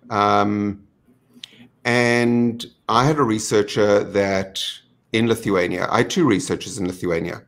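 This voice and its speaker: Low-voiced man on a video call. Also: fairly bright tone. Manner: measured, earnest account with frequent ums. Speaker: panelist. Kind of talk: online panel discussion. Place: home study with bookshelves.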